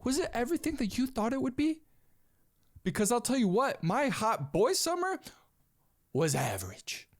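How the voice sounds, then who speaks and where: A man's voice: very high-pitched, moderate pace, pauses often. A man in his twenties hosting a casual solo podcast, rambling and calling everyone "dude". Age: 20s. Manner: rambling, animated, says "dude" a lot. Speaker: podcast host.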